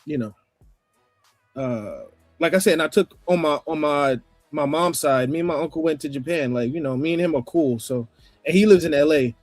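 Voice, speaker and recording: A man's voice: on the high side, moderate pace, dry recording, soft background music. Rambling New York man on a livestream. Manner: rambling, frequent restarts and throat clearing. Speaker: panel guest. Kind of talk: casual livestream panel chat.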